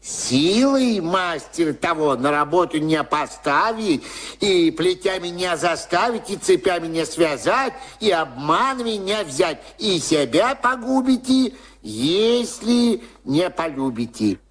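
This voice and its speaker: Casting: hermit adviser, unhurried singsong verse, fairly high voice, radio fairy tale. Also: male voice, sing-song, fairly bright tone, heavily acted. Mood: earnest, cautioning. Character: hermit sage, riddling folk-tale adviser. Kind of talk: verse radio play acting.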